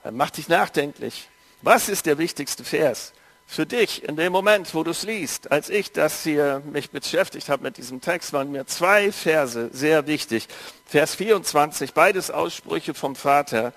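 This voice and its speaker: A man slowly reading a Bible story aloud and preaching on it, giving the quoted voices some life, then turning to reflective, conversational asides. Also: fairly high pitch. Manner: slow, measured reading with lively quoted speech.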